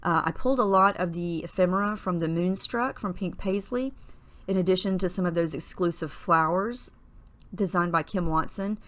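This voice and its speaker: Hosting a scrapbooking tutorial, this woman gives casual voice-over narration of the craft process in a husky, slightly low morning voice. She clears her throat and chats easily, lingering on little fillers as she goes through each step.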